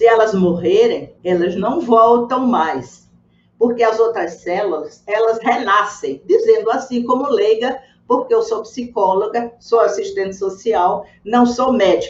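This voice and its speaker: A woman's fairly high voice moves fairly slowly, its pitch varying in an ordinary way. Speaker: TV host and psychologist. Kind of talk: explanatory TV talk. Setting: TV studio.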